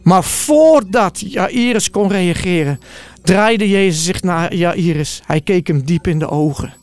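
A man's voice: high-pitched, unhurried, a little mellow. A man telling a Bible story in the first person as an eyewitness, in a vivid and earnest way.

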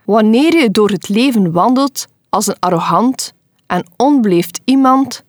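A woman's voice: mid-range voice, dry recording, clean studio sound. A woman hosting a short Christian devotional podcast, speaking earnestly and encouragingly as a wife and mother. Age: adult. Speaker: podcast host giving devotionals.

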